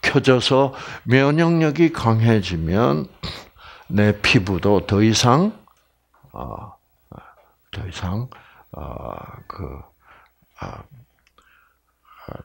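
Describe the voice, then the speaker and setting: A middle-aged man from Korea gives a slow, unhurried health lecture, his pitch swinging widely up and down. He asks the audience questions and answers them himself, with plenty of fillers. At key points he sinks to a near whisper. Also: very animated, vocal fry, husky. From South Korea. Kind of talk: health lecture with sermon-like passages.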